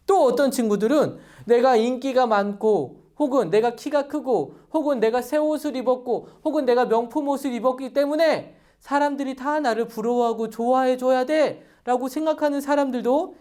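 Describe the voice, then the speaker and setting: A woman preaching a children's sermon as a story, asking the kids questions as she goes. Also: a little high. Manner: lively, addresses children directly with questions. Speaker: children's pastor.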